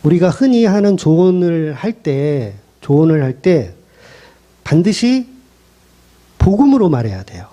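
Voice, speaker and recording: A man's voice: a little high, very animated, unhurried, dark tone. A male pastor preaching a sermon in a blunt, colloquial way, pressing the congregation with rhetorical questions.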